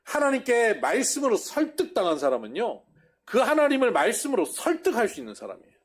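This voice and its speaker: A male pastor delivers a sermon lecture in a high voice that swings widely in pitch. He keeps putting questions to the congregation and answering them himself. When he quotes people, he acts them out with his voice raised. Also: huge pitch swings, a little fast. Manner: asks the congregation rhetorical questions.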